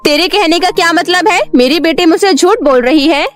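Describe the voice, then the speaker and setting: A bossy, cruel stepmother from a cartoon story, with a high, shrill voice as a woman puts her on. Faint music runs under her. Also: moderate pace, natural voice. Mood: harsh. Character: cruel scolding stepmother, middle-aged, harsh.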